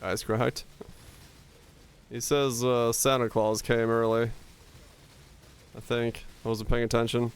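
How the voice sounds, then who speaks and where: A man from Finland with Finnish as his first language, streaming a game and chatting easily with viewers between laughs. His voice is smooth and clear, pitched in the middle for a man. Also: takes it slowly, pauses often. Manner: relaxed, answers chat questions, laughs easily. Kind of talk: casual chat with viewers while gaming.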